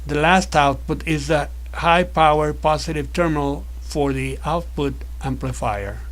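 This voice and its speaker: A man narrating a scripted electronics tutorial as an instructor, explaining in a measured, methodical way. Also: fairly high pitch.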